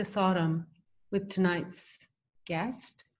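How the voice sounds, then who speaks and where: This woman's voice is somewhat breathy. Her pitch varies in an ordinary way. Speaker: art school dean. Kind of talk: event introduction.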